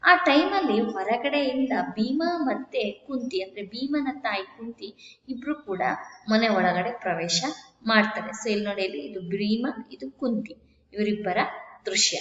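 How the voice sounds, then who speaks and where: A woman's voice: medium pitch, a bit bright. Woman teaching in an echoey room. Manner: reads Hindi lines, then retells them in Kannada. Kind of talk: explaining a Hindi textbook story in Kannada. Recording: echoey room, dull sound.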